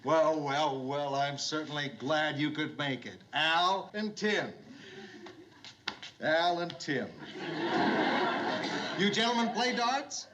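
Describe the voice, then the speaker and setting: An actor playing a gruff middle-aged bar owner who forces himself into hearty, pushy cheer and repeats his greetings, in 1970s sitcom style. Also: on the high side, slow pace, long pauses, bright, forceful tone. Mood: forced cheer. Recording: noisy old TV soundtrack.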